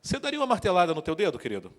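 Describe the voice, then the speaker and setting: A man preaching from the front of a church, his voice sitting a little high for a man. He keeps things light and joking, pulls the congregation into repeating lines, and the long reverb of the hall hangs behind every phrase. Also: huge pitch swings, racing. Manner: joking, interactive, calls out to the congregation. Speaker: guest preacher. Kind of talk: sermon.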